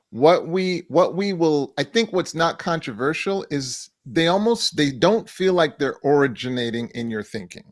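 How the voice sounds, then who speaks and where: Co-hosting a mental health talk show, a man answers a viewer's question in a measured way, repeating key phrases for emphasis. His voice sits at medium pitch with no echo.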